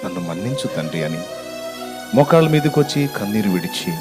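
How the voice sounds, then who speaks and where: Male pastor preaching, all fired up then dropping to a hush, pleading prayer, music playing underneath. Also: fairly low pitch, sing-song, fast. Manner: impassioned, swinging from loud cries to hushed tones. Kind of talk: sermon.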